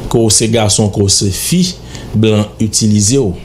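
A man's voice: fairly low pitch, moderate pace, darkish tone, a little hiss or hum. A middle-aged man with a Haitian accent, a guest in a radio studio interview, speaking in an emphatic, lecturing, insistent way into a studio microphone. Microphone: studio mic on stand.

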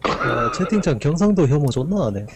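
A man's voice: fairly high pitch, very animated, brisk, over a noisy crowd. Mocking, sarcastic man on chat. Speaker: voice chat participant. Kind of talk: casual voice chat.

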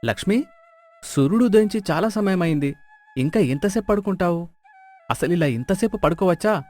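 A man's voice: high voice, lively intonation, moderate pace, a little mellow. A man playing a nagging village husband, scolding and exasperated, in a storybook dialogue. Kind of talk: scripted animated story dialogue. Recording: background music under the voice.

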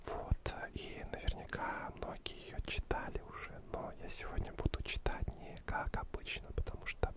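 A man in his thirties from Ukraine whispers softly and breathily, calm, unhurried and lulling, very close to the microphone as he reads and chats as an ASMR host. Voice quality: soft, breathy, indistinct whisper. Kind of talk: whispered ASMR book reading and chat. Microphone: two foam-covered microphones, very close.

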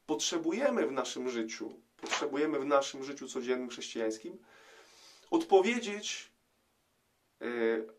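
A middle-aged man, a priest, giving a reflective gospel commentary to camera in a small room, pausing often with hesitation sounds. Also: a little high. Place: small indoor room, plain wall.

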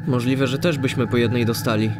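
A man voicing a grim, coldly resolute young man in a cartoon horror fan dub, solemn and deliberate. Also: mid-range voice, fairly even intonation, noisy background, close to an everyday voice.

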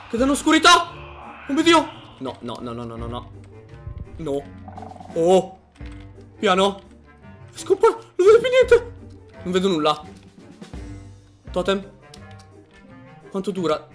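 A man giving gaming commentary, jumpy and excitable, dropping to hushed mutters and then jumping to high frightened yelps. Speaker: video game let's player.

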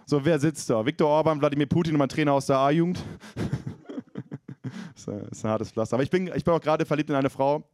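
A man's voice: on the high side, brisk, darkish tone, no room sound, clean studio sound. A man in his thirties from East Frisia doing a self-mocking stand-up set on a comedy club stage, talking with the crowd. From East Frisia, Germany. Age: 30s.

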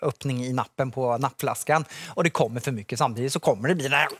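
Relaxed man explaining on morning TV. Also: mid-range voice, slightly rough, dry recording. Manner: relaxed, explanatory, many fillers. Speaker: pediatric specialist nurse guest. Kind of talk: studio chat on morning TV. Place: TV studio. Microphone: lapel mic.

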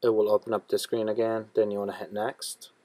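Male tutorial host, lowish pitch, steady instructional delivery, dry close sound. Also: fairly quick, no room sound. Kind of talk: step-by-step tech tutorial narration.

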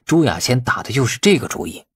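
A man's voice: medium pitch, sing-song, quick pace, a bit bright, breathy edge, full character voice. A man voicing a brash, irritable, defensive man who grumbles colloquially in an audiobook. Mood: explaining. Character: brash, irritable man in a family inheritance feud. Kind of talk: audiobook character acting.

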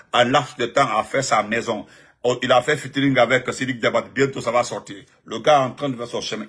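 Animated, husky-voiced commentator. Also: male voice. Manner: animated, mocking, with sudden high outbursts and laughs. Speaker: political commentator. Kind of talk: heated monologue. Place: United States.

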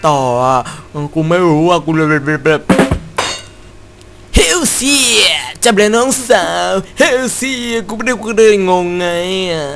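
A man hosting a horror game playthrough, talking loud, crude and excitable and shouting whenever something startles him. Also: sits high, normal speed, few pauses. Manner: loud, profane and excitable, yelling at scares. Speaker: gaming channel host. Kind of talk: Let's Play commentary. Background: game music.

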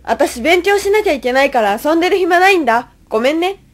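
A young woman playing an earnest, stressed high-school senior girl in an amateur radio drama. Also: lively intonation, fast talker. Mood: irritated. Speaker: student radio drama actor.

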